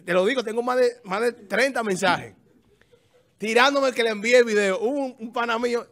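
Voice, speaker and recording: A man hosting a casual gossip chat, animated and stammering. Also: very high voice, normal speed.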